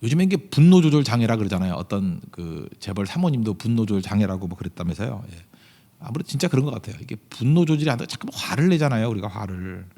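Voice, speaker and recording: A pastor preaches conversationally during a church service, full of rhetorical questions and swinging suddenly between loud, emphatic lines and quiet asides. His voice is lowish and sing-song with vocal fry, and he talks fast.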